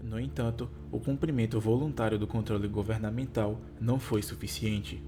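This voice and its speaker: A man's voice: on the low side, steady tone, normal speed. A Brazilian Portuguese-speaking man narrating for online viewers, with a tongue-tied impediment that makes some consonants like R, S, T and L hard to articulate. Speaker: YouTube video narrator. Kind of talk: scripted narration and casual sign-off to viewers. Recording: music behind the voice. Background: music.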